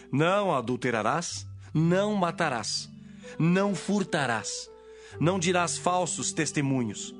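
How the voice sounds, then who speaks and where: Casting: male actor as a solemn, firm holy teacher for a Bible audio drama, widely varied intonation, music behind. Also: on the high side. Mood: solemn, instructive.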